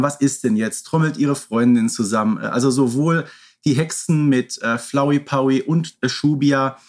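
A man co-hosting a podcast, talking casually and colloquially, often adding little tag questions. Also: a little high. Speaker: podcast co-host.

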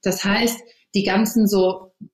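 A woman's voice: medium pitch, steady tone, unhurried. Woman founder in her thirties, first language English; thoughtful, hesitant delivery with ums and restarts; room echo on the track. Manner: thoughtful, many fillers and restarts. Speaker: interview guest, company founder. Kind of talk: casual interview talk. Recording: roomy echo.

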